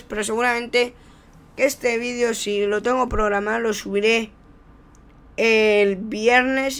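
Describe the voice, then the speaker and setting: A person with an accent from Spain giving improvised, excitable play-by-play over gameplay in the manner of a wrestling commentator. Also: medium pitch, clear, resonant tone. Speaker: video game commentator, player.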